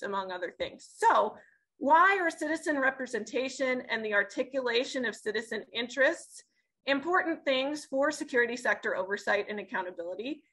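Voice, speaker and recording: A woman's voice: fairly high pitch, bright, forceful tone, husky, poor audio. A woman in her thirties moderating a panel discussion on a video call, articulate but with frequent "um"s and repeated words. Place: indoors, in front of a branded backdrop. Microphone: video call webcam.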